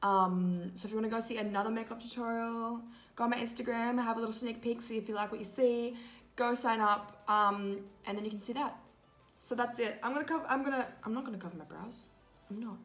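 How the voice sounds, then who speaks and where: A young woman in her twenties giving a casual makeup tutorial, chatty and full of "like" fillers, her voice a little hoarse. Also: on the high side, steady tone, brisk, a bit bright, roomy sound, faint music behind. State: slightly hoarse, losing her voice. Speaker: makeup vlogger. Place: small indoor room before a grey backdrop.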